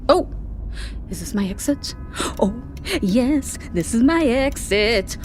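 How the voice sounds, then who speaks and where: A woman's voice: a little high, animated, slow pace, darkish tone, faint music behind. A woman playing an anxious, sarcastic, flustered writer in a naturalistic audio drama. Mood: frantic, exasperated. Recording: faint noise and ambience behind.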